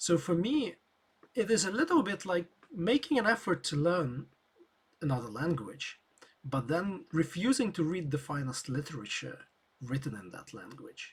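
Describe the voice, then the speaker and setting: Delivered at a moderate pace in a Russian accent, the speech has very wide pitch swings, big swings in loudness, and long, frequent pauses. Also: man, high pitch for a man. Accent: non-native English, Russian. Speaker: YouTuber, crossword enthusiast. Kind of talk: casual monologue. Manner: hesitant, many fillers.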